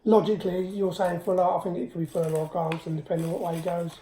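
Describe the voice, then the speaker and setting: A co-host in a casual football chat, offering quick, slightly hesitant opinions. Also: medium pitch, level tone, warm tone, a little hiss or hum. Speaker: podcast co-host. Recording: echoey room.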